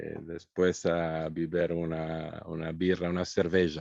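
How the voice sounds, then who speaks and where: A man talks at a very slow pace with an Italian accent. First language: Italian (speaking Portuguese). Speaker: author and philosophy professor. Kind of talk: lecture. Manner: halting, many hesitations.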